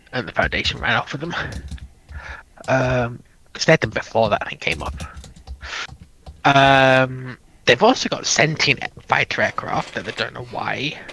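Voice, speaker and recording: Bright-voiced man explaining things casually. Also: medium pitch, poor audio. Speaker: panelist. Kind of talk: casual explaining of fictional lore.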